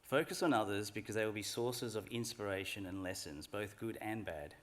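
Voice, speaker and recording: Measured man giving a ceremony address. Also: fairly low pitch, a bit bright. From Australia. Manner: measured, earnest, reflective speech delivery. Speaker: graduation speaker. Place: large ceremony hall.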